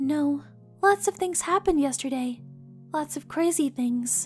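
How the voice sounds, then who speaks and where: Over clear background music, someone uses a put-on character voice at a moderate pace. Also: female-sounding voice, high pitch for a woman. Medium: audio drama. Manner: soft-spoken.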